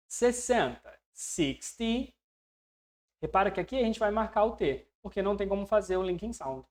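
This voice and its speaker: A man with a Brazilian Portuguese accent teaching English, who explains patiently, checks in with the learner and drills words slowly. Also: high voice, darkish tone. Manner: voices learners' questions to himself. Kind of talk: online language lesson.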